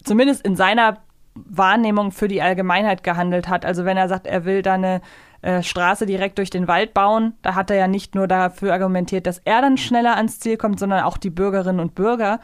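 A woman's voice: medium pitch, fairly even intonation, brisk, clean tone, no echo, clean studio sound. A woman co-hosting a podcast, casually but earnestly arguing her points and often rephrasing herself as she goes. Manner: earnest, argues her point, self-correcting. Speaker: podcast co-host. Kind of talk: casual analytical review chat.

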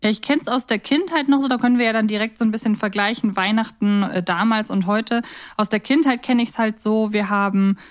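A woman's voice: fairly high pitch, a little fast. Chatty woman hosting a podcast. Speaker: podcast host. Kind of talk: casual chat.

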